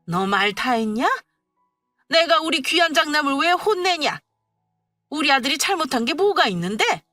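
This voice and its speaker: A woman's voice: a little high, animated, moderate pace, pushed and bright, no echo, faint music behind. A woman voicing a pushy older mother-in-law who dotes on her eldest son, scolding and guilt-tripping in a dramatized story reading. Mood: indignant.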